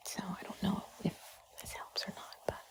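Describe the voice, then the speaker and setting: A woman giving intimate whispered comfort talk, soothing and gently reassuring, in a breathy, husky whisper with drawn-out pauses. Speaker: audio creator speaking to the listener.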